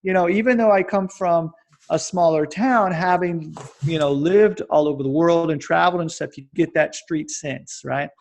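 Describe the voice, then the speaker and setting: A forty-something man from Kansas chats loosely on a podcast, rambling in what he calls babbling. His slightly high voice is creaky with a darkish tone, and he talks at normal speed.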